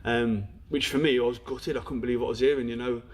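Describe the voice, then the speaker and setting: A husky-voiced young man from the Black Country talks fast as a podcast guest, frankly laying out his own story in storytelling fashion with frequent "you know"s. His intonation stays fairly even, and his pitch sits in a typical middle range for a man.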